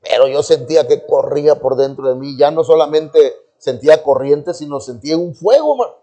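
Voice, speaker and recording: A man with a Mexican Spanish accent gives a sermon testimony from the pulpit. His voice sits a little high but sounds mellow and warm. He swings between hushed, low prayer and raised, excited quotes. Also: normal speed. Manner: emotional, rising to high-pitched quotes and dropping to hushed prayer. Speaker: preacher giving testimony. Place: church.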